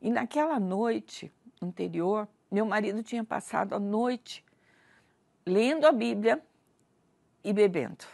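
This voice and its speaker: A woman's voice: medium pitch, lively intonation, a little slow, vocal fry, darkish tone. A middle-aged woman with a Brazilian accent giving an earnest, emotional personal religious testimony. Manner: earnest, confessional, emotional storytelling. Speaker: church member giving testimony.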